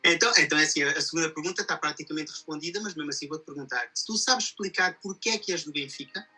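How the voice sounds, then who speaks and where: A man with a European Portuguese accent hosts a conversational interview at a quick pace. His voice runs a little high and is husky, with a very bright edge. He explains things at length. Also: soft background music. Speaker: interview host.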